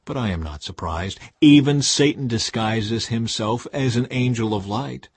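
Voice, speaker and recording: Husky man reading scripture expressively. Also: mid-range voice, unhurried, no room sound. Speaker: scripture reader. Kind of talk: expressive scripted reading of modern-English Bible text.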